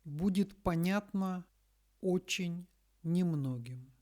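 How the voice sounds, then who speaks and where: A woman reading a scripted spiritual message in a solemn, deliberate manner, breaking it into short phrases with long pauses. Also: on the low side, darkish tone. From Russia.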